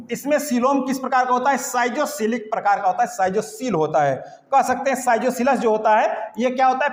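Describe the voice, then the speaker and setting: A man with a very high-pitched voice teaches a biology lecture in a classroom, blending Hindi with English terms. He asks and answers his own questions and slowly repeats key points, in an echoey room with long reverb.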